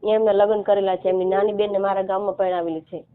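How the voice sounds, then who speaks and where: A woman in her thirties from Gujarat with a Gujarati accent, explaining haltingly and repetitively as a caller seeking help. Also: medium pitch, level tone, clear, resonant tone. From Gujarat, India. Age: 30s. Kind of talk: casual phone conversation. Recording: narrow, muffled phone-call line.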